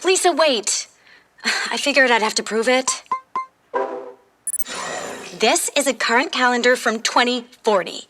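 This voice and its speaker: A woman's voice: on the high side, unhurried, long pauses, over music, lightly acted. A woman playing an earnest, eager fifteen-year-old girl from the future in an audio drama, insistent and persuasive.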